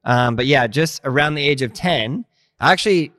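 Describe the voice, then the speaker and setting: A man's voice: mid-range voice, moderate pace, no room sound, clean studio sound. A man in his late thirties from Montana, guest in a casual interview, telling stories with lots of fillers and acting out his past thoughts. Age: 30s. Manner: animated, many fillers, acts out past thoughts. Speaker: guest, skateboard instructor.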